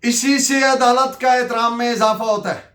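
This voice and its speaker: Pakistani guy lecturer, really high voice, slow n deliberate, emphatic, echoey room. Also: fairly even intonation, a bit bright. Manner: deliberate and emphatic, switching between Urdu and English. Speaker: law lecturer. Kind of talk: lecture dictating case citations and explaining legal principles.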